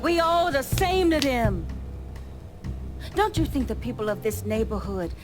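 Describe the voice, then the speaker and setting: A woman playing a grave, determined Black resistance leader in a video game, speaking in a measured, persuasive way. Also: high-pitched, sing-song. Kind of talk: dramatic video game dialogue. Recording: dialogue over loud background music.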